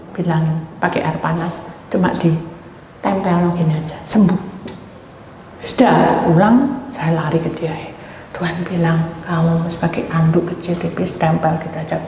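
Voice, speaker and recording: A woman's voice: fairly low pitch, a little mellow, echoey room, in a large hall, a little hiss or hum, low-quality recording. A middle-aged woman pastor, preaching and acting out both sides of the conversations she retells. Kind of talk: sermon with a retold story.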